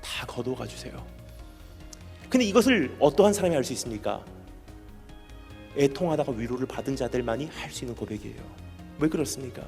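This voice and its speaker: A missionary delivers an animated, fast sermon at a special church meeting in a church hall, where a long reverb tail trails his voice and faint music plays behind. He repeatedly questions the congregation and moves from loud, emphatic bursts to quiet, low lines.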